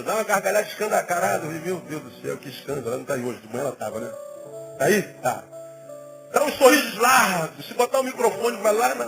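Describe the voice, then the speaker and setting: A middle-aged man, a pastor, preaching a sermon in a conversational, animated way with emphatic rising peaks, music in the background. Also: high voice, low-quality recording. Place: church.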